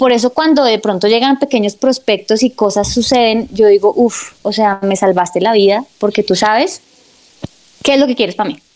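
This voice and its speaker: An ordinary speaking voice, a woman with a fairly high pitch, ordinary pitch variation and a moderate pace. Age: 30s. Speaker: podcast co-host. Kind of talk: casual chat.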